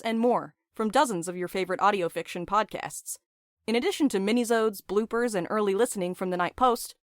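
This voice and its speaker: A woman reads a scripted podcast promo as its announcer. Her voice is mid-pitched, and the recording is close and dry. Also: no echo.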